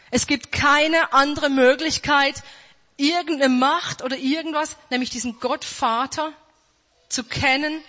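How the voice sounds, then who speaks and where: A woman delivers a sermon in a high, clear voice. She presses her points through repetition and slows down for the verses she quotes. Her voice carries a long reverb from a large hall. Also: pushed and bright. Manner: emphatic, repeats key phrases, slows down for quoted verses. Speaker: preacher.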